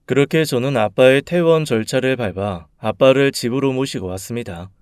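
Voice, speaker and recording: A man narrating a read-aloud personal story in a calm, measured, soft-spoken way. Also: mid-range voice, smooth, no room sound, studio quality.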